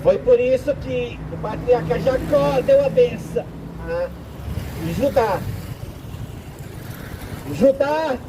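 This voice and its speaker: A Brazilian man preaching a sermon outdoors, speaking in slow, deliberate, drawn-out phrases. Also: very high voice. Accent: Brazilian Portuguese. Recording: outdoor street noise with traffic.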